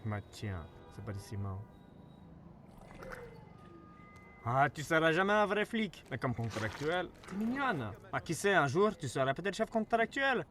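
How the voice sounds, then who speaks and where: A man's voice: on the high side, big pitch swings, moderate pace, few pauses, a bit bright, slight background noise. A man voicing a sly, mocking fox street hustler in a cartoon dub, smug and theatrical, with an Italian accent. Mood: condescending.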